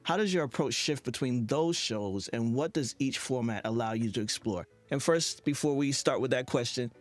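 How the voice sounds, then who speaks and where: A man's voice: mid-range voice, moderate pace. Male interviewer, mid-range voice, attentive, conversational questions over faint music. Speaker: interviewer, host.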